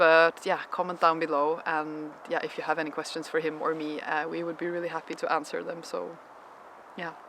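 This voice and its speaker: A woman's fairly low pitch at a fairly quick pace, in monotone, flat intonation. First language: Norwegian. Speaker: lifestyle vlogger. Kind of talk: casual talk to camera. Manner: casual, many filler words.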